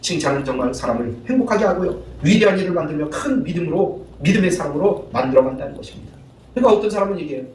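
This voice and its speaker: A man's voice: a little high, racing, echoey room, recorded from a distance, a little hiss or hum, poor audio. A male pastor preaching a sermon, acting out spouses' lines in changed voices and calling out to the congregation for responses. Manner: lively, calls out to the congregation for responses. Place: church sanctuary.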